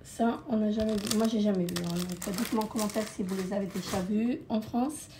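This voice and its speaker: A woman's voice: mid-range voice, brisk. A woman vlogger casually showing her holiday purchases indoors, hesitating often with filler sounds. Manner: hesitant, many filler sounds, repeats "comme ceci". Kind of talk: casual holiday haul vlog. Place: indoors at a holiday rental near the beach. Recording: crinkling packaging noise close by.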